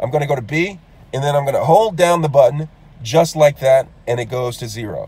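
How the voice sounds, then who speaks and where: A man's somewhat breathy voice at a very fast pace, with a dry sound and no echo. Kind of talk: tutorial. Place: car. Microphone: phone near.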